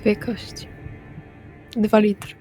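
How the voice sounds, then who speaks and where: A woman's voice: mid-range voice, level tone, takes it slowly, mellow. A woman taking part in a tabletop role-playing game as a player, stating her actions and discussing rules. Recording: background music under the voice. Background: music.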